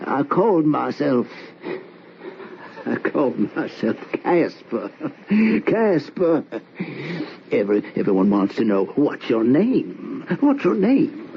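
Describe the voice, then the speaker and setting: Casting: a lost, stammering drifter, gravelly and slow, vintage radio hiss. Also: male voice, medium pitch, sing-song, heavily acted. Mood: brooding. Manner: halting, rambling, stammering. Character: haunted, confused drifter man. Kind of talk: 1940s radio acting. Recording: dull old radio recording, faint hiss.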